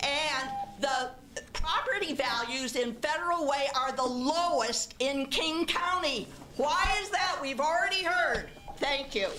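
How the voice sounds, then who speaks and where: A woman speaks in a raised, projected voice at a high pitch, fairly slowly and with lively intonation, her loudness very even. Noticeable background noise and audible room echo surround her. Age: 60s. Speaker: public commenter. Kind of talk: public comment at a meeting. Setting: public meeting hall.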